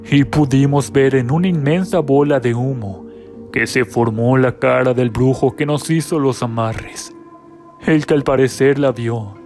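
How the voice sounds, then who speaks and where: A man's voice: mid-range voice, darkish tone. A man giving scripted, dramatic narration of a first-person horror story.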